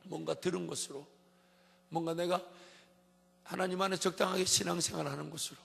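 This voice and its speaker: A male pastor preaching an emphatic dawn-service sermon, repeating his refrains and swinging between soft and loud passages. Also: high voice, steady tone, fairly quick, vocal fry. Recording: long church hall reverb.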